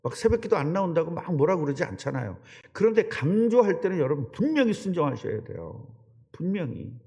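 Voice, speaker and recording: Animated middle-aged male pastor preaching. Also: on the high side, brisk. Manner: animated, conversational, questioning the congregation. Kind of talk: sermon. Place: church sanctuary. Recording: long church hall reverb.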